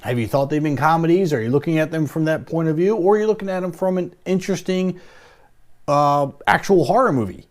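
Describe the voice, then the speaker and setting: A man's voice: on the high side, brisk. A man hosting a movie news channel, chatting casually and musing aloud about a poster with plenty of hedging.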